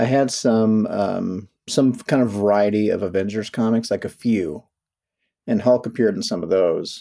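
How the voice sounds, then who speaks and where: A man talks in an unremarkable speaking voice at a medium pitch. His pace is moderate and his pitch varies in an ordinary way. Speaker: comic book writer. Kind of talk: interview.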